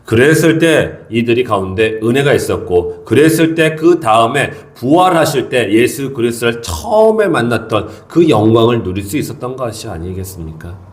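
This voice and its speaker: A man's voice: medium pitch, lively intonation, normal speed, hardly any pauses. A middle-aged male pastor preaching an early morning sermon, explaining scripture earnestly and repeating his key points for emphasis.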